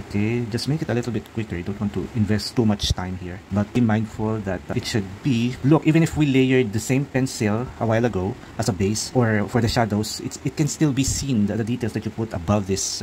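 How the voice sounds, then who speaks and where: A man with a Filipino accent talks through a drawing tutorial, pausing often with fillers and restarts. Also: fairly low pitch, darkish tone, a little hiss or hum, poor audio. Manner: halting, many fillers and restarts. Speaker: art tutor. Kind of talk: real-time drawing tutorial narration.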